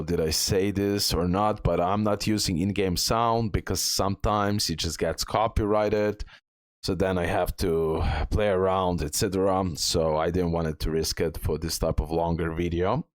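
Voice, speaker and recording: A man's voice: sits low, measured pace, no room sound, studio quality. A man giving a casual gameplay walkthrough as a guide host, thinking aloud as he goes. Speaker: gaming guide creator, host.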